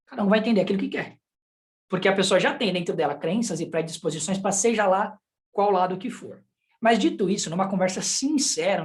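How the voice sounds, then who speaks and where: A man with a Brazilian Portuguese accent teaching a sign language class in a conversational way, often checking in with the students through rhetorical questions. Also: high voice. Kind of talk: live online class.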